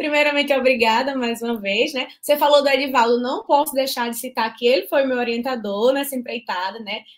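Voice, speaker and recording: A woman with a high pitch and ordinary pitch variation talks at a fairly quick pace with hardly any pauses, over noticeable background noise. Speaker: linguist and schoolteacher. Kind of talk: interview. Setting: podcast. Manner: fast.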